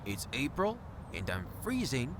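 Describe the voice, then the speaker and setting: A man's voice: mid-range voice, huge pitch swings, measured pace. A man acting a cheeky, restless young joker in an audio drama, flippant and teasing. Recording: clearly noisy outdoor ambience bed.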